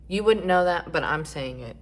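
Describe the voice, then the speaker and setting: A young trans man chatting casually in a vlog, rambling with lots of fillers and some swearing, his voice rising when he gets excited. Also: moderate pace. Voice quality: voice still fairly high, rising when excited. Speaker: vlogger.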